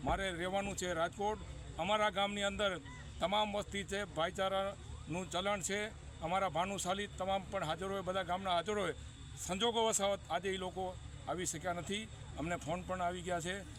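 A man with a high pitch speaks in a monotone, flat intonation. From Kutch, Gujarat. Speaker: retired police officer. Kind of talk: interview statement.

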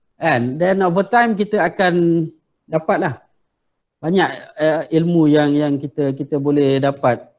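Fairly slow, very evenly loud speech from a man with ordinary pitch variation, set against a quiet background. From Malaysia. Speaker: university vice-chancellor. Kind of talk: lecture. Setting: video call. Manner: code-switching between Malay and English. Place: office. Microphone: lapel.

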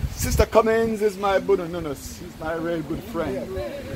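Over noticeable background noise, a man speaks in a Jamaican accent at a moderate pace. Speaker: church elder; guest. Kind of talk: prayer. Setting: birthday party gathering. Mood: warm, joking, celebratory. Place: garden. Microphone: phone near.

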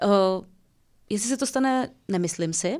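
Against a quiet background, a woman speaks at a moderate pace in a fairly high pitch. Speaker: podcaster, fan expert on a book series; podcaster. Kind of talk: casual chat. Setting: studio livestream. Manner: soothing, sleep-inducing. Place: studio. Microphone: studio mic.

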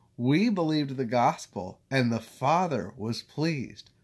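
Against a quiet background, a man with a fairly high pitch speaks at a fairly slow pace in an animated, warm tone. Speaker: preacher. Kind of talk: sermon, earnest teaching to camera. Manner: earnest, conversational. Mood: warm, enthusiastic. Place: home room. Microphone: phone near.

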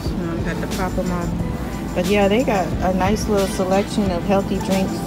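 Delivered at a moderate pace, the speech sits over loud music in the background. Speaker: family vlogger. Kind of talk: casual vlog chat. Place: shop. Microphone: phone near.

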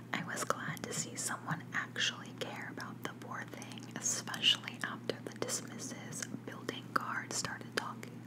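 Whispering at a moderate pace, the speaker hardly pauses at all. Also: woman. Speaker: ASMR artist. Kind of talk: reading of missed connections ads. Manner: whispered. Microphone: studio mic.

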